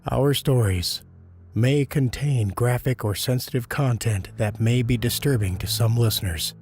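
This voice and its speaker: A man hosting a podcast, reading scripted credits and announcements in a measured, deliberate way. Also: mid-range voice, a little mellow, faint music behind. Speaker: podcast host.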